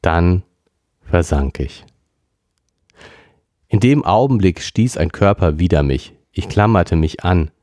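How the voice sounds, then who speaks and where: A man reading a classic novel aloud as a podcast narrator, in a steady storytelling manner. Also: sits low, slow, pauses often, no echo, clean studio sound. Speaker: podcast reader. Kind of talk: audiobook reading.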